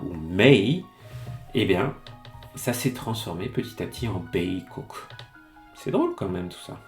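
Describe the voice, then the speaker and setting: A man teaching Japanese in French on a live stream, reading passages aloud and explaining them in a chatty, lively way. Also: fairly low pitch. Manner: greets chat viewers by name. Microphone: streaming mic.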